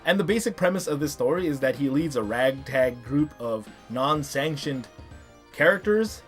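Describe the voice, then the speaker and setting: A man's voice: mid-range voice, expressive, normal speed, soft background music. A man around his thirties or forties giving casual, opinionated countdown commentary as an enthusiastic fan and online review host.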